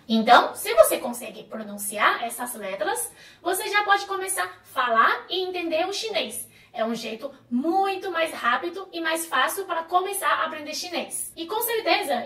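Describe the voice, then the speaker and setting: A woman whose first language is Chinese teaching Chinese in a video lesson in Portuguese, in a lively, encouraging, explanatory way. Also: high-pitched. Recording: roomy echo, voice a bit far from the mic.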